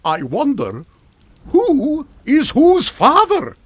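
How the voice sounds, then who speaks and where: An actor playing a boastful, theatrical mad scientist in a comic radio drama, with grandiose, drawn-out dramatic delivery. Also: male voice, extremely high pitch, wildly swooping pitch, no echo, full character voice. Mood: musing, conciliatory. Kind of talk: melodramatic radio comedy acting.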